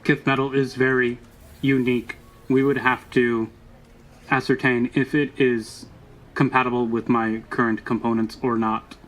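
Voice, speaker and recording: A man voicing a loyal, literal-minded robot bodyguard in a tabletop roleplay, speaking in stilted, halting, formal phrases. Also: mid-range voice, flat delivery, a bit bright, lightly acted, low-quality recording. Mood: analytical, dry.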